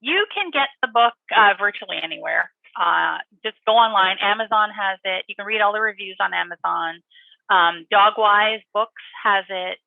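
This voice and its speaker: A woman dog trainer and author chatting as an interview guest, animated and quick to laugh. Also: mid-range voice, vocal fry, dry recording, narrow, tinny audio. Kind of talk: interview guest, casual chat.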